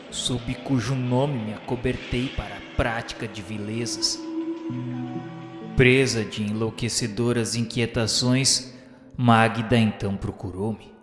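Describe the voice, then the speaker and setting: A man acts out a vengeful former inquisitor in a radio drama, confessing his cruelty with solemn, theatrical weight. His delivery is very slow and deliberate. The voice rings with long reverb over a bed of music. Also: mid-range voice, close to an everyday voice. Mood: bitter, vengeful, then cold, anguished. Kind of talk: dramatic scripted radio-novela narration. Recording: roomy reverberant studio, music underneath.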